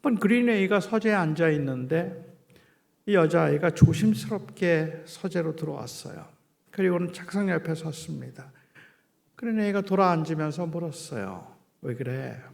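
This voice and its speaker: A middle-aged male pastor preaching and telling a personal story, earnest and heartfelt, often dropping to a soft, hushed voice. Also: on the high side, lively intonation, moderate pace, creaky, long reverb tail.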